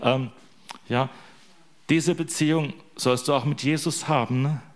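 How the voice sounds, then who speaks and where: A man preaching an informal sermon to his congregation, with a mid-range voice that sits neither high nor low. He talks in a loose, chatty way, cracks jokes, and keeps checking in with his listeners through little tag questions. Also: fairly even intonation, measured pace. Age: young adult to middle-aged, a father.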